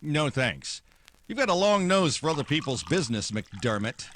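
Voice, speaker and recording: An actor playing a hard-boiled, wry private detective with terse, sardonic wisecracks, in old-time radio noir style. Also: male voice, a little high, big pitch swings, moderate pace, background noise. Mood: guarded, wry.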